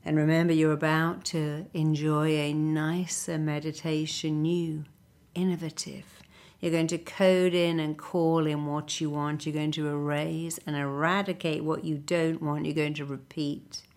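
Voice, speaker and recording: A woman leading a guided meditation, giving soothing, deliberate instructions and affirmations straight to the listener. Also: low voice, little pitch movement, a little mellow.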